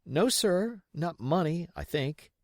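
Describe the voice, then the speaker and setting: Man voicing a polite, higher-pitched earnest boy. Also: very animated, slow, dry recording, studio quality, heavily acted. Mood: earnest, respectful. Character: polite, earnest boy, respectful to his elders. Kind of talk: audiobook character voice.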